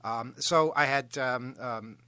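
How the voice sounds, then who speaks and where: A man hosting a radio talk show, telling a long self-deprecating story in a halting, rambling way. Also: medium pitch, bright, forceful tone, clear, resonant tone, no echo. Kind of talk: casual on-air storytelling.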